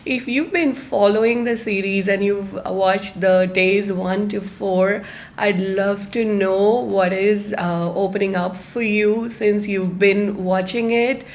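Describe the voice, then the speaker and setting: A woman hosts a live self-help session for online viewers. She speaks slowly and deliberately in a medium-pitched voice, halting between short phrases and leaning on certain words. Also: steady tone, a little mellow. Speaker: host of a live-streamed self-help series.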